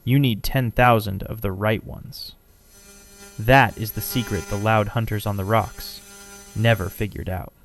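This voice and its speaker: A man's voice: lowish voice, steady tone, measured pace, a little hiss or hum. A man voicing a wise, confident tribal shaman in a scripted story, teaching with emphasis.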